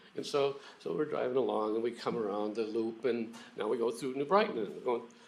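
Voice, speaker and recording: A man speaks with an American accent at a moderate pace. Vocal fry runs through his voice. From Minnesota. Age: 70s. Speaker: public commenter, former local government manager. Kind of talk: public testimony. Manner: halting, many fillers and restarts.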